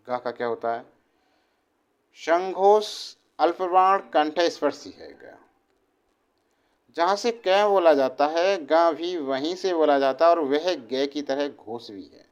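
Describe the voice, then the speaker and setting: A man teaching Hindi phonetics for an exam course, sounding out each syllable slowly and deliberately, often dropping to a quiet, low voice. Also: clean tone. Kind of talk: exam-prep phonetics lecture. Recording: dull lo-fi classroom recording.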